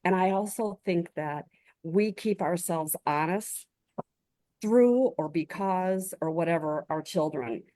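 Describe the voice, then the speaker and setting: A woman's voice: on the low side, takes it slowly, mellow, no room sound. A woman co-hosting a video-call chat, talking in a joking, chatty way. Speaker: co-host. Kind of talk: casual chat.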